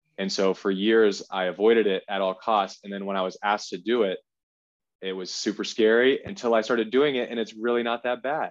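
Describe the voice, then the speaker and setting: Over a quiet background, a man with an American accent speaks fairly quickly in a fairly low pitch, his intonation fairly even. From US South, Georgia. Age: 20s. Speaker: financial advisor. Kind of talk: career interview.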